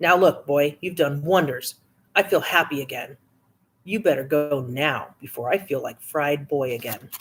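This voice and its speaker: A man's put-on character voice, fairly high-pitched, at a moderate pace. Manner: gruff.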